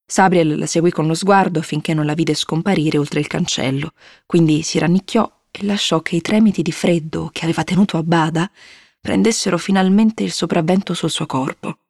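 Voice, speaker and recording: A woman reading a novel aloud, narrating in a measured, even manner. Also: low voice, dry recording, clean studio sound. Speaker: audiobook narrator. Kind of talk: scripted narration.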